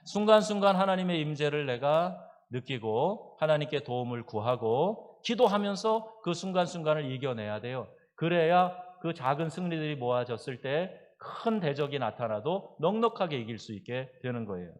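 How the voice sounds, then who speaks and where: A male pastor preaching a sermon, emphatic and building to loud exhortation. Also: a little high, very animated, moderate pace, hardly any pauses. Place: church sanctuary. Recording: church sanctuary with long reverb.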